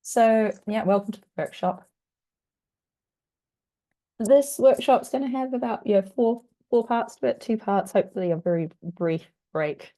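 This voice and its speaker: A woman from New Zealand with a husky, croaky voice, still getting over an illness, presenting an online workshop in a chatty, self-deprecating way with plenty of fillers. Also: medium pitch, a little slow, warm tone, low-quality recording. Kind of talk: casual online workshop talk. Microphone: video call.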